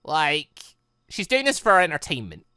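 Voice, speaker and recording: A man's voice: fairly high pitch, huge pitch swings, moderate pace, sharp tone, smooth, no echo. A man giving casual, rambling let's-play commentary on a visual novel, chatting and reading dialogue aloud as the channel's host.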